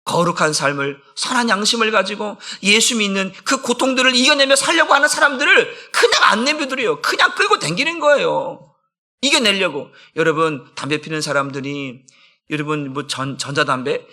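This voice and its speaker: A man's voice: high voice, expressive, normal speed, sharp tone. A middle-aged man, a senior pastor, giving an emphatic dawn prayer sermon and acting out friends' taunts in casual speech.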